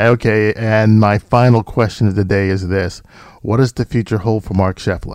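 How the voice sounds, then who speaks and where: The dry, close sound with no echo carries a man's fairly low voice in a monotone, flat delivery. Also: moderate pace, very clean recording, silent background. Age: 50s. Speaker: podcast host. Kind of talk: interview.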